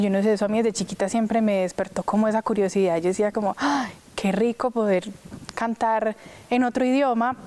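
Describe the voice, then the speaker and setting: A woman's voice: fairly high pitch, warm tone. A young woman who sings opera, chatting casually in an interview and filling her speech with "pues" and "o sea". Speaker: opera singer.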